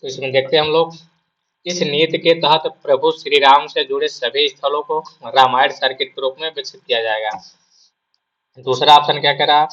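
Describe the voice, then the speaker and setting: A man's voice: on the high side, steady tone, normal speed, fairly bright tone, muffled recording. A male exam prep teacher with a sore throat gives a casual spoken lesson, repeating his points and asking and answering his own questions.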